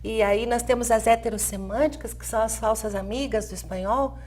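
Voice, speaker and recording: A woman's voice: on the high side, fairly even intonation, fairly quick, a little mellow. A middle-aged Brazilian woman, a language teacher, explaining things in an interview with hesitant fillers and tag questions. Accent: Brazilian Portuguese. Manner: hesitant fillers, frequent "né?", light laughs. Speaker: Spanish language teacher, guest.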